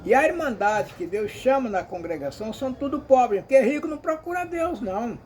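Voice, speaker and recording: A man's voice: very high voice, lively intonation, a little fast, darkish tone, a little hiss or hum. A Brazilian man giving an emphatic, repetitive commentary monologue, often calling out to his listeners.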